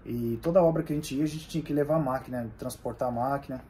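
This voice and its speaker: A young adult Brazilian man speaking Brazilian Portuguese in casual conversation, telling of his work in a halting way and often restarting his phrases. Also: medium pitch, dark tone, a little hiss or hum. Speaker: bricklayer sharing experience. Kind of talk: casual chat.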